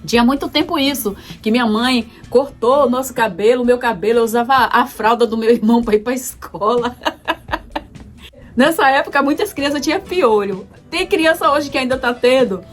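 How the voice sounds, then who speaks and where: A woman's voice: fairly high pitch, moderate pace, faint music behind. Bahian woman telling her life story. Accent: Bahian Portuguese. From Bahia, Brazil. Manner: emotional, reflective storytelling. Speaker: vlogger. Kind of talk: personal storytelling.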